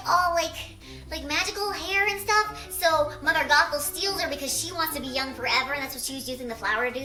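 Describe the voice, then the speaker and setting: A woman speaks in an extremely high, squeaky helium voice with a bright edge. She rambles through a casual, excitable story retelling, girlish and full of filler. The room sounds echoey. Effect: squeaky helium-altered voice. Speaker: video host. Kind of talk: casual, rambling movie retelling for a challenge video.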